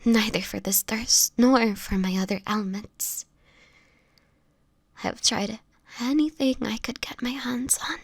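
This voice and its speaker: A woman acts out an ailing, homeless female vampire in a dramatic audio roleplay. She speaks slowly and haltingly in a breathy voice that often sinks into a whisper. She sounds fragile, guilt-ridden and protective, pleading through her anguish, in a dry recording with no room sound. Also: fairly high pitch, no echo, full character voice. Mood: despairing, ashamed.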